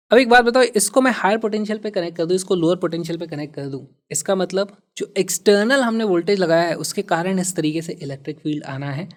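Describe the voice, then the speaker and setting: A man with a high-sitting voice teaches physics, working through exam problems with lively energy. He leans on key words and slips English terms into his explanations.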